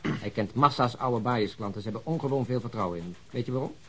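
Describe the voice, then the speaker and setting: An actor playing a joking, talkative, food-loving police detective in a radio drama, with a teasing, mock-dramatic manner. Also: male voice, medium pitch, fast talker, a little hiss or hum, natural voice. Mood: teasing, explaining.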